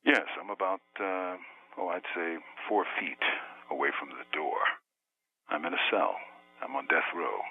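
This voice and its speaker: A man speaking from a prison cell over a prison phone line in a measured, halting interview manner with many pauses. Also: low voice, a little hiss or hum. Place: prison cell on death row.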